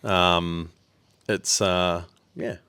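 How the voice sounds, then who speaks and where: A man's voice: sits low, fairly even intonation, drawn-out words, sharp tone, clean tone, no room sound. A laid-back Australian man from Western Australia, co-hosting a podcast in casual chat and rambling with fillers. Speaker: podcast co-host.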